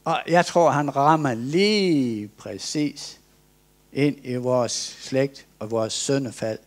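A male preacher giving a sermon in a church, retelling a story in a hesitant way with frequent restarts. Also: medium pitch.

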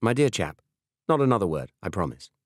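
A British government minister, voiced by a male audiobook reader, speaks in a low voice. He is courteous and clipped, a polite man of office. The sound is dry, with no room around it. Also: big pitch swings, a little fast, no room sound.

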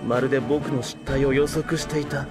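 A man's voice: medium pitch, steady tone, normal speed, close to an everyday voice. A man playing an arrogant, resentful young commander in a Japanese audio drama, haughty and biting. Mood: bitter, sardonic. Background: loud music.

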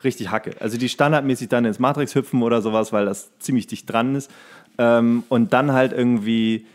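A man with a medium-pitched voice tells anecdotes as a podcast co-host. His talk is loose and colloquial, full of joking asides and little quoted bits. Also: fairly even intonation, brisk. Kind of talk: casual chat, bar anecdotes.

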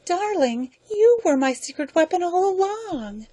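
A woman's voice: extremely high pitch, very animated, a little slow, mellow, dry recording, pitched above the performer's own voice, heavily acted. A woman reading the part of a scheming young woman who sounds sweet and triumphant.

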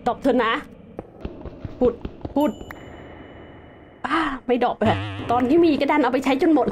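A woman's voice: high voice, unhurried, noisy background. A young woman host chatting through her gameplay, exclaiming often and calling herself by name. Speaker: gaming channel host. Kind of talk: Minecraft gameplay commentary.

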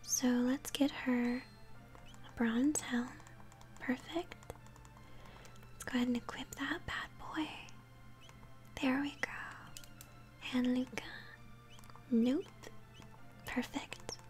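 A young woman giving gentle, chatty game commentary in a soft, breathy ASMR whisper. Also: high voice, steady tone. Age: young adult. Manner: gentle, chatty, unhurried narration of play. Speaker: game streamer, host. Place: small home room, indoors. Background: game music.

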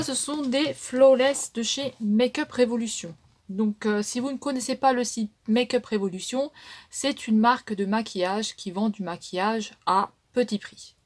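A woman with a French accent casually reviewing makeup palettes, chatty and full of fillers. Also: a little high. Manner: chatty, many fillers and "donc". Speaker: beauty vlogger.

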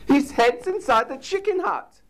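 A man's voice: animated, unhurried, a bit bright, heavily acted. A man voicing a honking male goose in a picture-book reading, calling urgent warnings in a raised voice. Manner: high honking, urgent calls. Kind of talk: picture-book read-aloud.

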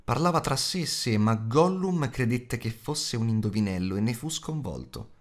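Expressive male audiobook reader. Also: medium pitch, moderate pace. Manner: dramatic, varied reading.

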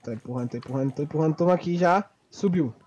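High-voiced panicky guy. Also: racing, darkish tone, lo-fi sound, slight background noise. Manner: panicky, slangy, repeats words. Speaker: guest player. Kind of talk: casual gameplay chat.

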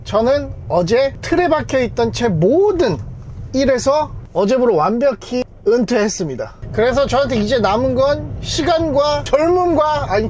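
A YouTuber in his thirties who collects cars talks to his vlog camera in a casual, self-assured manner. He's usually inside a car but sometimes outdoors. His very high voice has a darkish tone, and there's slight background noise.

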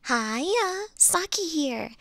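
A woman's voice: extremely high pitch, big pitch swings, very slow, gravelly, pushed and bright, dry recording, studio quality. A woman speaking as a channel host in a cheerful outro, with a light, bubbly manner.

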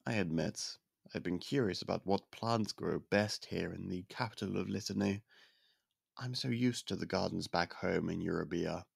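An actor playing a young prince in an ASMR roleplay, speaking in polite, formal, soft-spoken courtship talk close to the mic. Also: male voice, sits low, normal speed, creaky, breathy edge, no echo, full character voice. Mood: courteous.

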